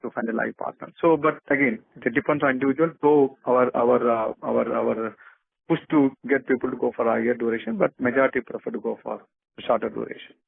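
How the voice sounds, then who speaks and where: A man with an Indian accent speaking as a company executive, answering questions off the cuff in a halting, repetitive way with many restarts. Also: medium pitch, steady tone, vocal fry, husky, no echo. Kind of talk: unscripted earnings call answers. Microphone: telephone conference call. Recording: narrow muffled phone conference line.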